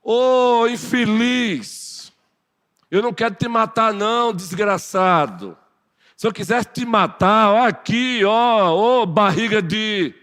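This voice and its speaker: A man voicing a furious young male warrior who spares his persecutor, shouting heated insults. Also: high voice, lively intonation, slow pace, voice pushed up, heavily acted. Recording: long church hall reverb.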